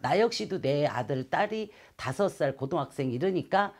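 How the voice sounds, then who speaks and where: A woman's voice: low voice, lively intonation, moderate pace. A middle-aged woman, a shaman fortune teller, earnestly explaining things in an interview, speaking in a shrine room with a clip-on mic. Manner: earnest, explanatory, gestures with hands. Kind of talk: interview answers. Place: shrine room with calligraphy screens.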